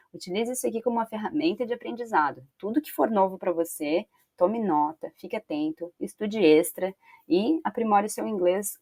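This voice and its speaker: A young woman with a Brazilian Portuguese accent teaching an English pronunciation lesson, saying example words slowly and repeating them. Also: mid-range voice, breathy edge, dry recording.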